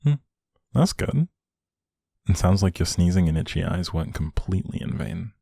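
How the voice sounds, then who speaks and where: A man performs a doting young boyfriend in an intimate audio roleplay, talking one-to-one with gentle teasing and affection. His voice is deep, dark and soft with a husky grain, recorded very dry. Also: big pitch swings, moderate pace, no room sound, heavily acted. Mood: attentive, gentle. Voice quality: low, soft, husky, creaky.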